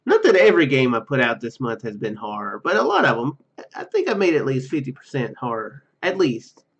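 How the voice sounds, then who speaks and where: A man hosting a gaming video, commenting casually and reading game text aloud in a halting, rambling way. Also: medium pitch, sing-song, a bit bright, slightly rough, highs cut off.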